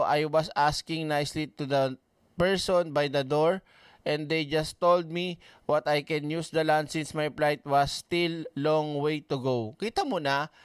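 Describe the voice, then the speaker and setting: A man's voice: on the high side, clean tone, no room sound, clean studio sound. Ranting man, swearing freely. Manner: blunt, swears often, reads comments aloud. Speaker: online commentator. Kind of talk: casual ranting commentary.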